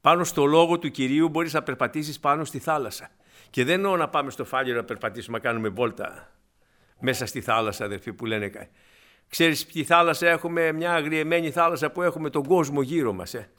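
Male preacher, fairly high voice, emphatic sermon delivery with loud and soft turns. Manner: emphatic, swings from loud to quiet, acts out the Bible figures.

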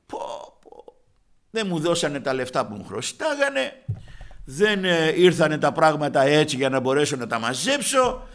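Gravelly, animated older male preacher. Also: on the high side. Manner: addresses the congregation as brothers, retells his story vividly. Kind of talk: sermon with personal testimony.

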